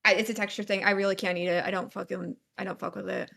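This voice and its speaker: Sharp-tongued teasing woman, bright voice. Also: mid-range voice, little pitch movement, fast, gravelly. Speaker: livestream co-host. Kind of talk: casual chat.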